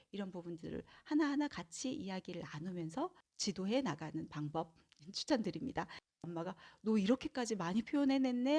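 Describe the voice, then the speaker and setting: A woman who is a parenting educator, explaining to viewers in an animated way and acting out bits of dialogue. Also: mid-range voice.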